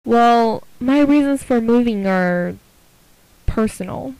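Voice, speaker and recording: A woman's voice: on the high side, takes it slowly, mellow, clean tone, no room sound, poor audio. A woman voicing a polite, reserved young female newcomer with a guarded manner, in an amateur voice audition.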